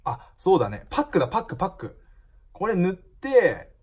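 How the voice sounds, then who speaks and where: A man's voice: sits high, wildly swooping pitch, a little fast, darkish tone, slightly rough. A man chatting casually as he unboxes a gift parcel, musing aloud and reading out the labels as the shop owner and channel host.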